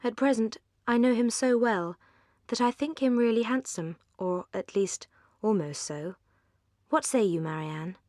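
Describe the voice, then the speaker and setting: A composed English young woman, lower and quieter than the narration, as a woman reads her. She speaks with measured good sense, in a dry, close recording. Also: dry recording, close to an everyday voice. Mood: gentle. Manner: calm, measured. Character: sensible, composed elder sister.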